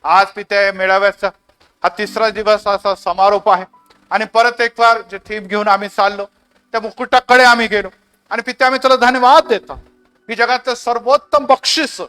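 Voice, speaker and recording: A man's voice: very high-pitched, bright, forceful tone, clear, resonant tone. A male pastor preaching fervently and leading a closing prayer at a church gathering, punctuating his points with repeated exclamations.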